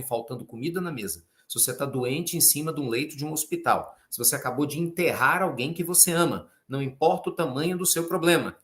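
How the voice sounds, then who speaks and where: A Brazilian man giving an emphatic, conversational spiritist talk on charity, often checking in with his listeners. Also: mid-range voice. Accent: Brazilian Portuguese. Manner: lively, emphatic, conversational preaching with frequent "né?". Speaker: spiritual speaker. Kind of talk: spiritist reflection on a reading.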